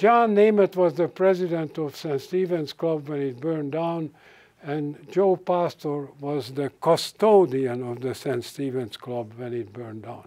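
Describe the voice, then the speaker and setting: Speaking at a fairly slow pace, a man with a Hungarian accent has a fairly high pitch and a dark, mellow tone. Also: lively intonation, big swings in loudness. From Hungary. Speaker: lecturer on soccer history. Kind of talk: lecture. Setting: museum talk with audience.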